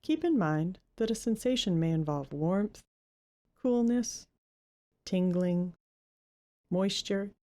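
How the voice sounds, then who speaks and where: A woman leading a guided Christian meditation, giving gentle, unhurried instructions with long pauses between phrases. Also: mid-range voice, animated.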